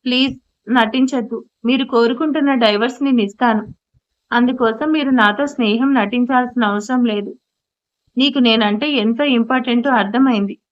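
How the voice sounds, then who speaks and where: A woman's voice: on the high side, normal speed, close to an everyday voice. A woman voicing a hurt young wife who speaks reproachfully through tears. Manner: reproachful, tearful. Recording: dull lo-fi audio.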